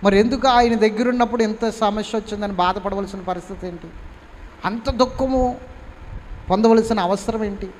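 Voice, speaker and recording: Male pastor, high voice, emphatic sermon delivery, long hall reverb. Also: moderate pace, darkish tone. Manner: emphatic, urging the congregation to respond. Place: church hall. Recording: reverberant hall, faint background noise.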